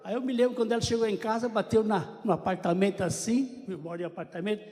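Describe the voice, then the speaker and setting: A man's voice: high voice, fast talker, mellow. An older man with a Brazilian Portuguese accent, giving a chatty church testimony to a congregation with joking asides. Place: church sanctuary. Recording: long church reverb.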